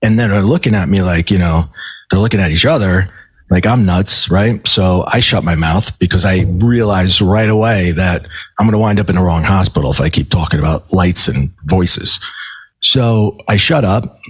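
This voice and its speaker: A middle-aged man speaks as a podcast guest, recounting a personal experience in a halting flow that doubles back on words and restarts sentences. His voice sits low and sounds a little husky. The recording is dry and close, with no room sound around him. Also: no room sound. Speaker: podcast guest, medium and life coach. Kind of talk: telling a personal story in conversation.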